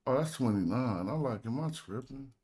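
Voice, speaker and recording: A man's voice: medium pitch, lively intonation, normal speed, darkish tone. American man teaching casually, African American Vernacular English. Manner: informal, loose phrasing with slang. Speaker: host and language teacher. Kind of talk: casual teaching chat in an online group call.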